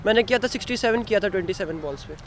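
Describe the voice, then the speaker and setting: Pakistani teen guy, really high voice, casual interview answers, faint outdoor noise. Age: teenager. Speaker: youth cricket player being interviewed.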